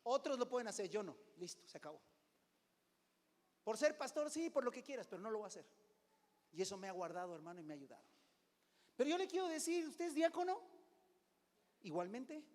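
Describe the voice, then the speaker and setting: A middle-aged man preaching as a pastor, conversational, often calling "hermano", swinging between loud and hushed. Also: very high voice, lively intonation, fairly quick, pauses often. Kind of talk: sermon. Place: church sanctuary. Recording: long hall reverb.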